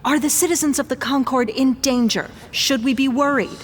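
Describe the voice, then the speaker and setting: A woman's voice: high-pitched, normal speed, lightly acted. An actress playing a pushy, probing female news reporter in an audio drama, firing insistent leading questions. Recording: noisy crowd ambience behind.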